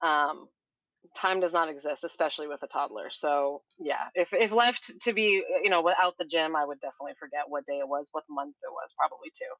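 A woman's voice: low voice, brisk, a bit bright, no room sound, lo-fi sound. A woman from Texas who works as a doula and strength coach, talking casually as a guest with many restarts. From Texas, Houston area. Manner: rambling, with many restarts and "you know". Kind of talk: casual interview chat.

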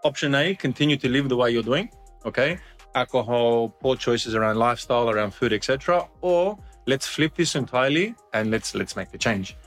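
Man in his forties, earnest guest, mid pitch, soft music underneath. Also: fairly quick. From Australia. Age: 40s. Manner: earnest, many restarts and fillers. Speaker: guest, company founder. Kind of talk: casual interview chat.

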